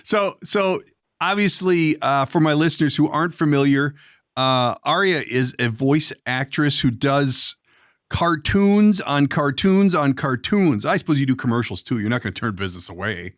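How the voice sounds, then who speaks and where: A man's voice: a little high, lively intonation, normal speed, a bit bright, dry recording, studio quality. A man hosting a podcast in a casual interview style, rambling and often restarting his sentences as he goes. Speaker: podcast host.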